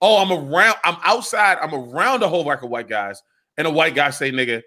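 A man co-hosting a casual podcast, talking in an animated way with lots of street slang and interruptions. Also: on the high side, brisk. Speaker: podcast co-host. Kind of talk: casual chat.

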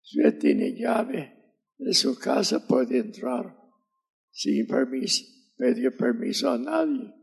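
An elderly preacher in his nineties, a native English speaker who carries an American accent into his sermon. His voice sits high and gravelly with a husky edge. He delivers each fervent line slowly and deliberately. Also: wildly swooping pitch, rough recording. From Mississippi, USA. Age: 90s. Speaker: visiting preacher.

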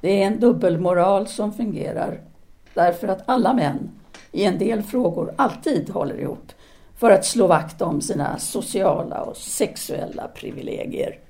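Actress as a mellow, self-assured intellectual Frenchwoman. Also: medium pitch, expressive, close to an everyday voice. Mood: firm, didactic. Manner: didactic, deliberate, teasing. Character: self-assured, seductive intellectual Frenchwoman, outspoken feminist free thinker. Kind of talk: audio drama dialogue.

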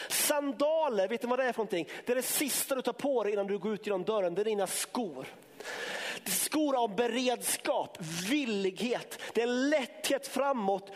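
High-pitched guy preaching hard in a church, big hall echo. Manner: impassioned, builds to shouting then drops low. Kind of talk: sermon. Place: church sanctuary.

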